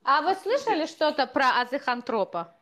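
A woman's voice: high voice, sing-song, normal speed, fairly bright tone. A woman in her thirties hosting a casual live stream from a room at home, talking with callers through an earphone mic.

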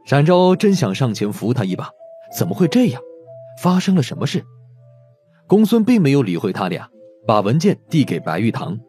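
A man narrating an audiobook story in an expressive, scripted storytelling style. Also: medium pitch, normal speed. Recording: music behind the voice.

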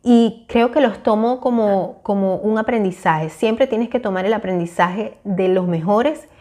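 Earnest woman, warm mellow voice. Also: medium pitch, measured pace. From Venezuela. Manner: earnest, encouraging, hesitant fillers. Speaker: YouTuber. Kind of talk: casual talk to camera. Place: small room indoors. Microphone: lapel mic.

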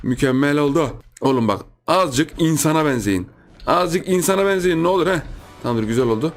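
Excitable man narrating his gameplay. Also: fairly high pitch, a little fast, soft background music. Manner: excitable, repeats phrases, shouts in surprise; chatty, addresses viewers as friends. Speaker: gaming channel host. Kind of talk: live gameplay commentary.

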